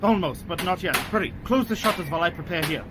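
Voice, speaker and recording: A man's voice: high-pitched, fast talker, heavy background noise, natural voice. A man playing a grave, commanding older doctor in a radio play. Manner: grave, urgent, formal.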